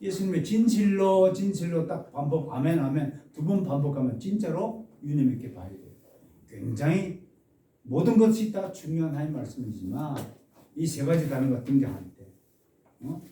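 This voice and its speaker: A man preaching an expository sermon as a pastor. He stresses key words with loud exclamations and asks the congregation questions. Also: a little high, expressive, moderate pace. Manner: asks the congregation questions and has them repeat phrases. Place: church sanctuary. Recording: echoey church room, mic at a distance.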